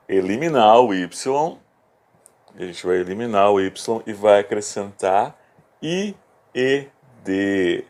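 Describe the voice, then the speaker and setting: Brief: male teacher, measured slow delivery, patient step-by-step explainer. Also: on the low side, darkish tone. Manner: patient, step-by-step, repeats key words slowly. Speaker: English teacher. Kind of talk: video lesson explanation.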